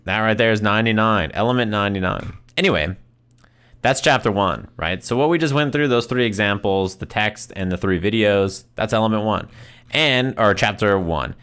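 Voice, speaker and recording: A man's voice: lowish voice, normal speed, a bit bright, clear, resonant tone. A man giving casual, conversational fighting game commentary on a livestream, repeating phrases for emphasis and often checking in with "right?".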